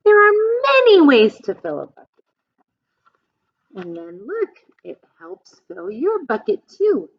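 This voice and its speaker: A woman reads aloud to young children like a teacher, taking her time over simple phrases. Her pitch moves up and down in a lively, expressive way as she speaks to her listeners. The recording is a little dull and lo-fi. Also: measured pace. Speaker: teacher reading a picture book aloud. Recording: dull, lo-fi sound.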